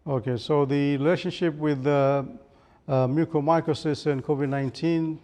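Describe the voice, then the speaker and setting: A man's voice: fairly high pitch, steady tone, moderate pace, darkish tone. A man puts formal questions as a news interviewer. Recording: long reverberant hall-like echo.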